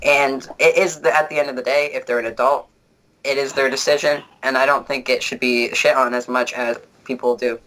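A young man with a light, bright voice talks casually as a guest. He is blunt and candid and jokes easily. His tone is crisp and forward. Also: medium pitch, steady tone, brisk, low-quality recording. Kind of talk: casual conversation.

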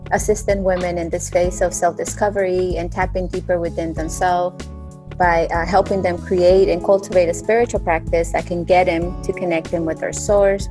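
A woman with a Colombian Spanish accent talks earnestly about her spiritual coaching. Her voice sits low and stays fairly level. Soft music plays faintly behind her. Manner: earnest, hesitant with fillers and restarts. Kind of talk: casual interview talk.

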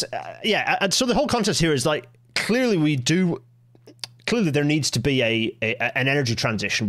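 A middle-aged man hosting a podcast in an average-pitched voice. He rattles along quickly, eager and restarting his sentences as he goes. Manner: eager, talks in quick bursts with many restarts. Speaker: podcast host. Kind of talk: casual podcast conversation.

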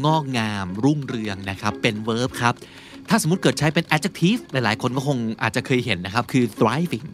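A young man hosting a casual podcast lesson, chatty and patient, reading out English example sentences slowly. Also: medium pitch. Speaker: podcast host teaching English vocabulary.

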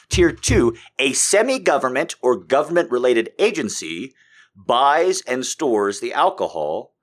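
A man rants through a comedy bit, his pitch swinging widely as he builds and drops. He swears freely and keeps a sarcastic, animated edge. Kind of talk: comedic rant.

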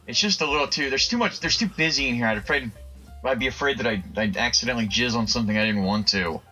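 Bright-voiced rambling male podcaster. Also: mid-range voice, fast talker, breathy edge, faint music behind, low-quality recording. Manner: rambling, profane, laughs often. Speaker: podcast co-host. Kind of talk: casual comedic chat.

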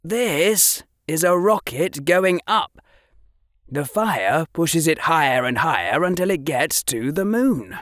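A man's voice: on the high side, animated, slow, fairly bright tone, no echo, clean studio sound, pitched above the performer's own voice. A man voicing a precocious, earnest boy who explains science with barely hidden pride. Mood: proud, explaining. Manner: earnest lecturing with proud tremble.

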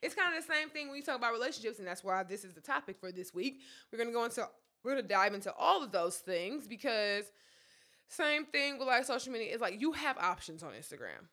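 Woman podcast co-host, high bright voice, blunt and cussing a lot. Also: fast talker. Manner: blunt, profane, animated. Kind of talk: casual chat.

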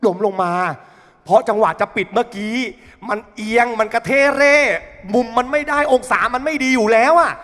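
A young man doing stand-up, telling an animated, profane story full of sound effects. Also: very high voice, brisk, hardly any pauses. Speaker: comedian. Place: studio stage. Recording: long reverb in a studio hall.

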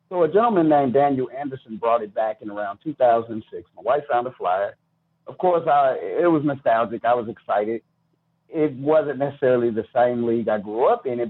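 American male, middle-aged, interview guest telling personal stories, slightly phone-like sound. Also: medium pitch. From Chicago, United States. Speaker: podcast guest, youth baseball coach and charity founder.

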